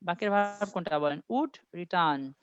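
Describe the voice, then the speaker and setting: Guy teaching ielts online, reads english real slow and keeps quizzing, dry dull lo-fi audio. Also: sits high, smooth, no echo. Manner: reads English sentences slowly, quizzes students step by step. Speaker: IELTS tutor. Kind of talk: interactive online class.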